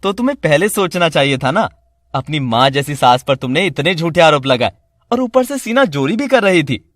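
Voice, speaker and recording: A man's voice: a little high, lively intonation, normal speed, fairly bright tone, no room sound, studio quality. A man voicing a firm older father who lectures bluntly. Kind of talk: Hindi family drama voice acting.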